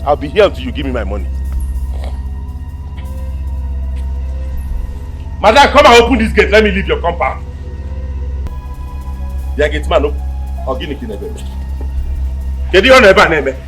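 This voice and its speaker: A man with a Nigerian accent playing a stubborn, indignant taxi driver who argues loudly and refuses to back down. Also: a little high, big pitch swings, fairly quick, long pauses, faint music behind. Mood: defiant. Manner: loud, indignant, pleading at times.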